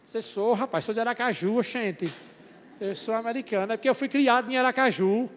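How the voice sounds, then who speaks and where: A man voicing an indignant young Brazilian man raised in the Northeast, with a Northeastern Brazilian accent, protesting fast and incredulously. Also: extremely high pitch, a little hiss or hum. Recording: long church-hall reverb.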